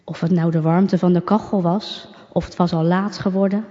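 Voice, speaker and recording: A woman calmly reading a storybook aloud, unhurried, with small slips. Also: fairly low pitch. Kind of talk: storybook narration read aloud. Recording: dull recording with long reverb.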